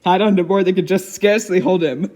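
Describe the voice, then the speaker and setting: A man voicing a cheerful young girl who reads a storybook aloud in an expressive, giggly way. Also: high voice, fast talker, lightly acted. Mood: storytelling. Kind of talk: dramatic storybook reading with giggly asides.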